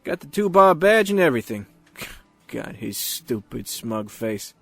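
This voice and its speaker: An actor playing an easygoing, joking police officer in a naturalistic audio drama, with informal, slightly hesitant delivery. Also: male voice, mid-range voice, big pitch swings, a little slow, creaky, dry recording, soft background music, full character voice. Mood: wry.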